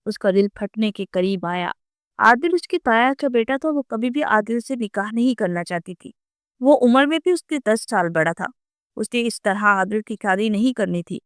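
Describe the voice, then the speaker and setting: A woman narrating a romance novel audiobook in a steady dramatic storytelling voice. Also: a little high, no room sound, clean studio sound.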